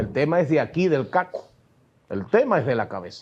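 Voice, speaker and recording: A man speaks at a moderate pace in a fairly high voice. The background is quiet. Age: 60s. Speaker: politician. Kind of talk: interview.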